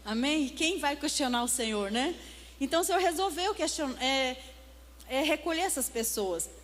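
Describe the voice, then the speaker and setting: Brief: woman pastor, high voice, preaching a sermon, long hall echo, checks in with the congregation as she goes. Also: a bit bright. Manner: preaching with repeated "amém?" and "né?" calls to the congregation. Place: church.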